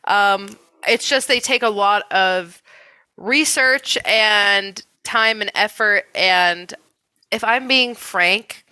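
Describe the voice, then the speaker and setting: A woman's voice: mid-range voice, takes it slowly, sharp tone, clear, resonant tone, dry recording. Blunt, nasal young woman podcast host. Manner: blunt, teasing and profane. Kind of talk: casual chat.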